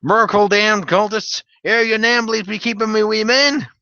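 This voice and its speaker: A man voicing a gruff, unhinged old man given to blustering outbursts in a dramatic story reading. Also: high voice, fairly even intonation, normal speed, bright, forceful tone, dry recording, muffled recording, pitched above the performer's own voice. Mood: furious bellowing. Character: loud, foul-mouthed, unhinged old man, gruff cultist-hater.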